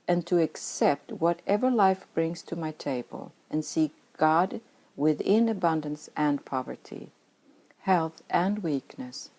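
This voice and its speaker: A woman's voice: deep voice, dark tone, rough recording. A middle-aged Swedish woman with a Swedish accent, whose first language is Swedish, reading her own spiritual memoir in an earnest, reflective way. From Sweden. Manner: earnest, reflective, at times dropping to a whisper.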